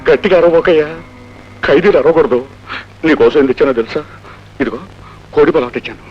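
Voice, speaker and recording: An actor playing a jovial, talkative middle-aged police constable who teases and laughs easily, in an old film scene. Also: male voice, fairly high pitch, fast, lightly acted. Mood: kindly. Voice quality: chatty, teasing, laughing easily. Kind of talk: 1970s Telugu film acting. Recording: dull old film soundtrack with music.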